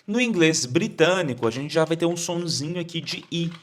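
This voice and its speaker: A Brazilian man teaches an English lesson, his voice bright and lively as it rises and falls. He draws out each word slowly for learners to repeat. Between the drills he keeps checking in with quick questions. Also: fairly high pitch. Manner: explains in Portuguese with frequent check-ins like "tá?" and "ok?". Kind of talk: online language lesson.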